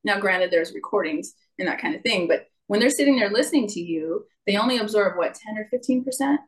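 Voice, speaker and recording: Animated middle-aged woman, vocal coach as guest, mid-pitched, demonstrative. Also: fairly quick, low-quality recording. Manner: animated, jumps into playful higher voices to demonstrate. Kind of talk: conversational interview.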